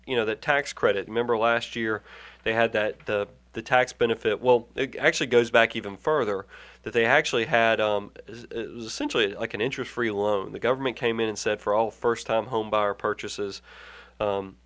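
A man's voice: lowish voice, fairly even intonation, moderate pace, a bit bright. A man hosting a financial advice show, talking through tax planning in an earnest, explanatory way with frequent restarts while fighting a head cold. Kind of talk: conversational radio-style advice.

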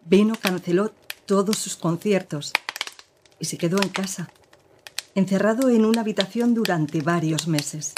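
An actress playing a woman who gravely recounts her partner's past in an audio drama, with measured, serious storytelling. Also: medium pitch, noisy background, natural voice.

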